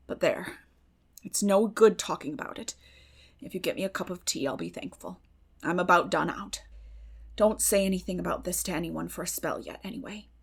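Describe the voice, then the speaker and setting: A woman's voice: on the low side, expressive, normal speed, vocal fry, breathy edge, heavily acted. A woman voicing a weary, bitter older farm woman in an audiobook, speaking in plain rural phrases with sad resignation. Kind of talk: dramatic audiobook reading.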